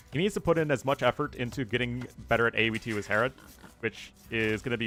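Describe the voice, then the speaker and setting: A man with an American accent, medium in pitch, at a very fast pace amid noticeable background noise. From US Midwest, Chicago suburbs. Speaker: esports caster. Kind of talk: live commentary. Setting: live stream. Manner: casual.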